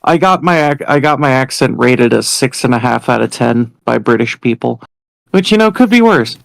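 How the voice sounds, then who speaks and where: A man's voice: mid-range voice, lively intonation, moderate pace, gravelly, no room sound. A man playing in a tabletop game, chatty and self-deprecating as he talks with the group. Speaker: player. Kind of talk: casual tabletop game chat.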